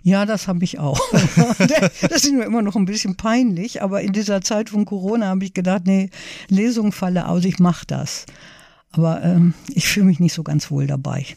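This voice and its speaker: A woman author reads her own prose at an even, measured pace, then chats a little hesitantly. The recording is close and dry, with no room echo. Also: mid-range voice, gravelly. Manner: hesitant with fillers in chat. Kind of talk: reading her own novel, then casual chat.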